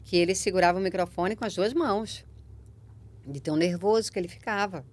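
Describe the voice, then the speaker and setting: A woman's voice: lowish voice, brisk, a little mellow. A woman with a Brazilian Portuguese accent hosting a podcast interview, speaking emphatically and encouragingly, often checking in with the listener. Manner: emphatic, encouraging, tag questions. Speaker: podcast host. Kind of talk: conversational interview.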